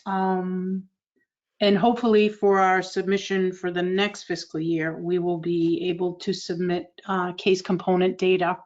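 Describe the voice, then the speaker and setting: A woman's voice: lowish voice, level tone, a little slow, a little mellow, lo-fi sound. A woman from Massachusetts with a Massachusetts accent, giving a state agency update on a video call in a friendly, explanatory way. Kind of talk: virtual meeting update.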